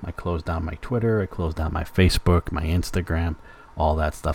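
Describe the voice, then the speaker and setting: There is noticeable background noise as a man talks in a very deep, low voice with a Canadian accent. His intonation stays fairly even. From Alberta, Canada. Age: 30s. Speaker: podcast host. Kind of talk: personal monologue. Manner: casual, conversational with fillers.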